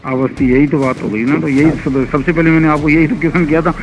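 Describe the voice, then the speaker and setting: A man's voice: on the high side, steady tone, fast, lo-fi sound, music in the background. A man in a casual recorded phone conversation, insistently repeating his points.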